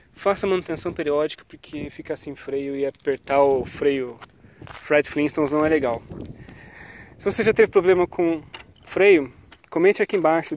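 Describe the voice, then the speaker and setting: On a quiet paved road, a man with a cold records himself on an action camera, chatting about bike brakes as a cycling vlogger. He's loose and talkative, trailing off with "tá?" and "né?" checks, and his fairly high voice has a darkish tone.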